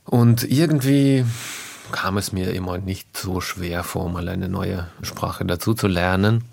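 A man from Russia, a native Russian speaker, talking as a musician guest in a radio interview, thoughtful and often pausing to find his words. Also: deep voice, gravelly, darkish tone, breathy edge, dry recording. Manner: thoughtful, searching for words with pauses.

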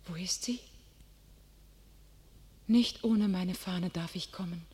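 An actress playing a pious, fervent young captive warrior maiden in a classic radio play, declaiming solemnly. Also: female voice, fairly low pitch, takes it slowly, warm tone, big-room sound. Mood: frail, rapt.

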